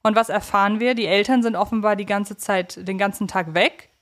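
Woman, thirties, medium pitch, podcast co-host, conversational, reflective, winding sentences. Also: steady tone, brisk.

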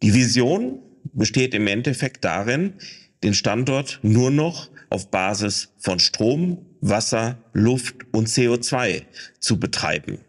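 A man's voice: medium pitch, sing-song, slow pace, husky. A man speaking as a site manager, explaining plans matter-of-factly. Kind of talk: interview statement.

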